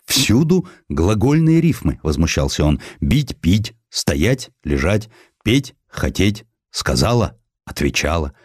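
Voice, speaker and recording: Deep-voiced, expressive male audiobook narrator. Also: slow pace, slightly rough, no room sound, studio quality. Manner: expressive, theatrical delivery. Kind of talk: scripted literary narration of a historical essay, with expressive verse recitation.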